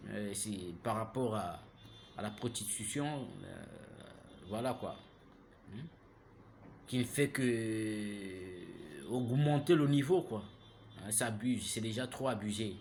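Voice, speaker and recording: A man, giving an impassioned, preachy monologue that keeps turning to the listener with "hein?" and grows loud and heated. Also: lowish voice, animated, takes it slowly, slight background noise. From Gabon. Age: 30s. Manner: preachy, repeats himself, asks listeners "hein?". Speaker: vlogger.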